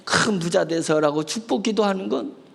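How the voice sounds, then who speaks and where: A man's voice: high voice, moderate pace, creaky, fairly bright tone, long reverb tail. A man pastor preaching a sermon, asking questions and acting out pleading prayers. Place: church sanctuary.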